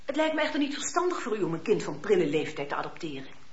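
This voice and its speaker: An actress playing a demure, formal old spinster who runs an orphanage in a radio drama, deferential and hesitant. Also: female voice, lowish voice, sing-song, quick pace. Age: older. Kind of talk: Dutch radio drama acting. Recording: dull noisy radio drama recording.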